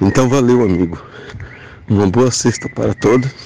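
Over noticeable background noise, a man talks at a medium pitch and a moderate pace, his pitch varying in an ordinary way. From sertão of Pernambuco, Brazil. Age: 50s. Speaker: radio listener sending voice message. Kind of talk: casual voice message.

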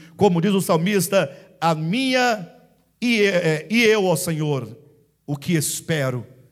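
Lively in intonation, the speech moves very slowly with long, frequent pauses and audible room echo. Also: man, high pitch for a man. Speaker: pastor. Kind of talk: sermon.

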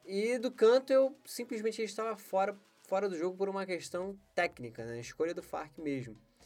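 Over music in the background, a man speaks at a high pitch and a moderate pace with very wide pitch swings. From Brazil. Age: 20s. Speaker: football podcast host. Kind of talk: casual football podcast monologue.

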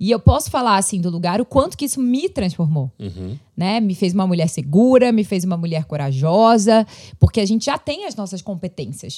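A woman talks at a moderate pace with hardly any pauses, her medium-pitched voice dark, mellow and somewhat breathy, swinging very widely in pitch. The recording is very clean, with a silent background. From Brazil, Rio de Janeiro. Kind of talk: casual interview.

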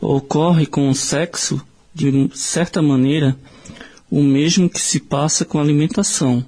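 This man's voice is fairly high and somewhat breathy. Its tone is dark and mellow. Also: ordinary pitch variation, fairly slow pace. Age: 30s. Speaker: logistics worker. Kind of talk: reading aloud.

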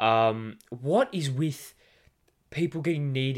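With an Australian accent, a man talks in a very clean recording with a silent background. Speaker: football podcast host. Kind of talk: solo podcast commentary. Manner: halting, many fillers and repeats.

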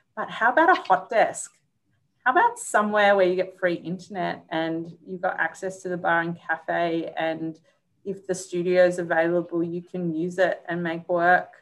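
Speaking at a moderate pace, this woman has a fairly low pitch and a monotone, flat intonation. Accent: Australian. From Melbourne, Australia. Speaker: theatre executive director. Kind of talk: interview.

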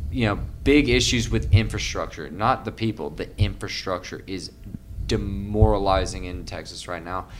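A man with a fairly low pitch speaks in a New Orleans accent. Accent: Southern US, New Orleans. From US South, New Orleans area. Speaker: entrepreneur and youth baseball coach. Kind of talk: casual chat.

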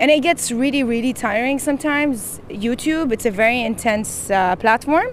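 A woman speaks in a high voice at a moderate pace, with ordinary pitch variation. Noticeable background noise runs under her. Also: hardly any pauses. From Palestine. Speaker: travel YouTuber, former TV presenter. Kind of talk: casual chat. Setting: passing one shared mic at a creator summit.

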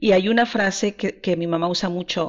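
At a moderate pace, a woman speaks at medium pitch in an unremarkable speaking voice with ordinary pitch variation. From Texas. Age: 40s. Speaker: regional party director. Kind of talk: interview.

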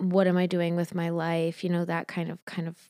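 In an American accent, a woman with a fairly low pitch and a plain, everyday voice speaks at a moderate pace. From Montana. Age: 20s. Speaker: podcaster and photographer. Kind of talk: casual solo chat. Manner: relaxed, filler-heavy.

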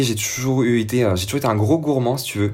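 His pitch rises and falls in an ordinary way. Behind the man's voice, background noise is clearly audible. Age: 20s. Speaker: YouTuber on plant-based eating. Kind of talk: interview testimony. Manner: halting.

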